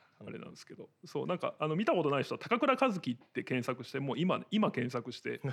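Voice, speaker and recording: A man's very fast speech with hardly any pauses, fairly high in pitch with very wide pitch swings, vocal fry and big swings in loudness. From Shiga, Japan. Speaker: podcast host. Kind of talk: casual interview chat.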